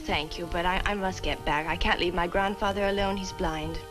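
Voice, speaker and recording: A woman's voice: fairly low pitch, steady tone, a little fast, over music, lightly acted. A young actress playing an earnest, uneasy village woman in an old horror film. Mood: guarded. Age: young adult. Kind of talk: 1960 horror film acting.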